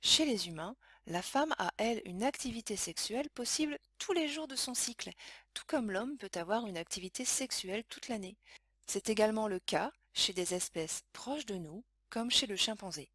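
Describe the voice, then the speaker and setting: A woman reading scripted science lesson narration in a measured, explanatory way. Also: mid-range voice, animated, fairly bright tone, slightly rough, no room sound. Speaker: educational narrator.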